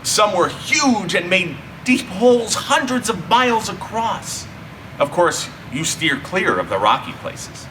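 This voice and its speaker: A man narrating a children's story in an expressive, dramatic read-aloud style with emphatic delivery. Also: high-pitched, unhurried, noisy background. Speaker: narrator reading a children's book.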